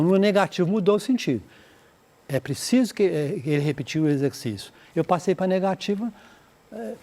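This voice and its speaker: A Brazilian man teaches English for an exam-prep lesson. His voice sits a little high. He models English sentences slowly, translates them, and keeps checking in with his students. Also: mellow. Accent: Brazilian Portuguese. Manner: slows down to model English phrases, then translates; explanatory, repeats points with "né?" and "tá?".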